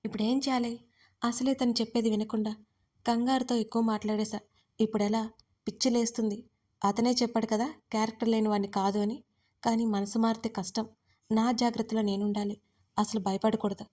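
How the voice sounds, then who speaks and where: A woman's voice: on the high side, little pitch movement, fairly quick, dark tone, natural voice. A woman voicing a shy, anxious young bride who talks in a flustered way, in a romance audio story. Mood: nervous.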